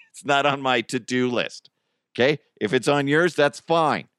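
A man's voice: mid-range voice, a little slow, a bit bright, clean tone, no echo, studio quality. A middle-aged man hosting a podcast as a casual, jokey solo monologue with crude humor. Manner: jokey, crude, acts out imagined exchanges. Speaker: podcast host.

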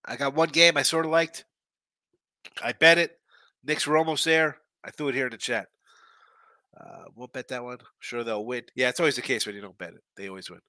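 A man with a stuffy, congested nose hosts a live sports betting stream, chatting loosely through viewer comments and picks. His voice is very bright and edgy, and the recording is dry and close with no room sound. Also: mid-range voice, fairly even intonation, fairly quick, dry recording. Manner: chatty and loose, with frequent restarts and asides. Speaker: sports betting show host.

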